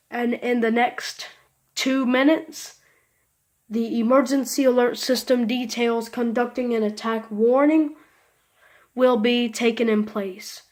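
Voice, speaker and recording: A woman acting as an emergency broadcast announcer in an improvised mock alert, with a halting, solemn, repetitive delivery. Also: on the high side.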